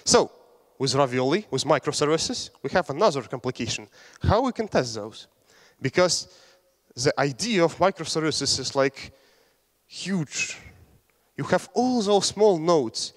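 On a large conference hall stage, a young Latvian man gives a casual technical talk full of jokes, fillers and restarts. His voice is a little high and animated, paced in a measured way, with hall reverb on the recording.

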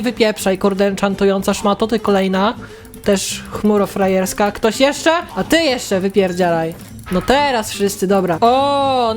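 A young woman runs a gaming channel, giving excited, casual commentary while she plays, cursing at the game and chatting with viewers. Her voice is mid-range.

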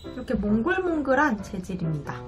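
A woman's voice: a little high, quick pace. A woman vlogger tasting pudding and chatting casually while talking with food in her mouth. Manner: chatty, animated tasting remarks. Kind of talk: casual mukbang review. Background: background music.

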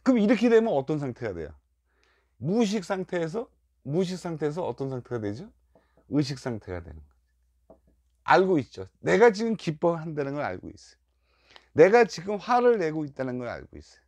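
Older guy teaching buddhism, gravelly voice, swoops up and down a lot, keeps repeating himself. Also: fairly high pitch, big pitch swings, fairly quick, pauses often, dry recording. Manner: repetitive, acts out worried inner voices; emphatic, rising and falling loudness. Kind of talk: Buddhist dharma lecture.

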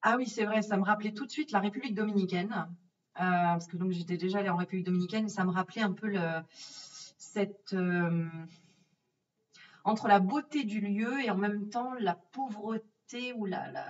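A woman's voice: medium pitch, normal speed, far from the mic. A French woman recounts her trip in a loose, chatty storytelling voice, full of fillers and little acted-out asides. She sits back from the microphone, and the sound is dull and lo-fi. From France. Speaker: vlogger. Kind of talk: casual storytelling.

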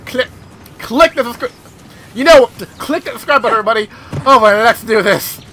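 A young man with a lisp giving casual let's play commentary, excitable and swearing a lot. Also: very high voice, a little fast, slight background noise. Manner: excitable, swears constantly, self-deprecating. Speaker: gaming video host.

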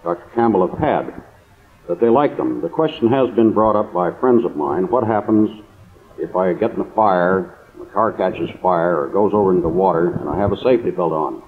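A muffled, narrow-band 1950s radio recording of an American man with a deep voice. He explains things in a plain, orderly, formal way as an interview guest. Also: normal speed. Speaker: guest surgeon. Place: convention hall radio interview.

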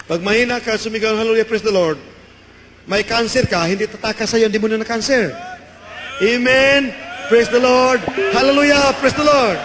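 A Filipino man with a Filipino accent, preaching a fervent Pentecostal sermon and shouting praise refrains in Tagalog and English. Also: very high-pitched, fairly even intonation, moderate pace. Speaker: evangelist preacher. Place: large church hall. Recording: church hall reverb, faint background noise.

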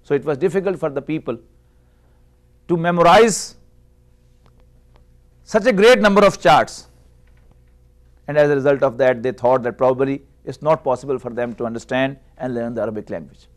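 Speaking at a medium pitch, this middle-aged Arabic teacher, a native Urdu speaker, delivers a measured, explanatory classroom lecture. He's recorded on a lapel mic in a small room and asks rhetorical questions as he goes.

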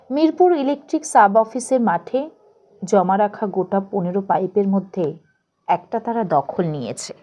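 A woman narrates literary fiction in a fairly high, soft-toned voice. Her pitch moves expressively across each phrase. She takes her time, reading slowly like an audiobook storyteller.

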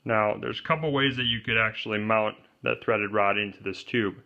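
This DIY kayak gear presenter speaks at a moderate pace in a fairly low, creaky voice, captured with lo-fi sound. He plainly walks through his homemade camera pole build one step at a time, indicating each part. Filmed indoors at a wooden table, he talks off-camera while an overhead shot shows his hands.

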